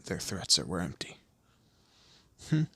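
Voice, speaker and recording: A man playing a commanding, teasing demon lord in an audio roleplay, with a low gravelly, husky voice and an imperious, theatrical manner. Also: big pitch swings, unhurried, bright, forceful tone, no echo, exaggerated voice. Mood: probing, menacing. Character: male demon lord, commanding, menacing, teasing boss of hell. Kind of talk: scripted audio roleplay addressed to the listener.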